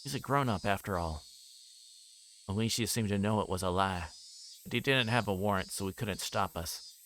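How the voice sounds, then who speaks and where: A man's voice: fairly low pitch, normal speed, fairly bright tone, a little hiss or hum. A man livestreaming a visual novel, reading the story aloud as narration with his own asides and voicing the dialogue. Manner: voices characters' dialogue while reading.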